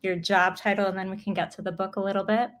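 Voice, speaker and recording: A woman's voice: medium pitch, little pitch movement, quick pace, a bit bright. An American woman from Los Angeles, an academic guest, giving conversational interview answers. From Los Angeles, United States. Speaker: guest author and professor.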